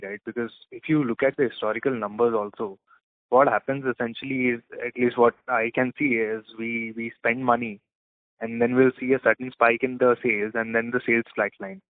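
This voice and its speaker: A man's voice: medium pitch, dry recording. A man with an Indian accent asking questions as an analyst on a conference call, in a conversational style. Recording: dry, tinny phone line.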